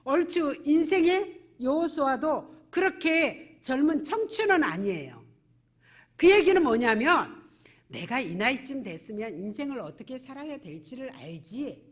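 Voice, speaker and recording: Woman pastor, sermon, high bright pitch, lively swooping delivery, rhetorical questions. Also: unhurried. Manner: animated preaching with rhetorical questions to the congregation. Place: church service.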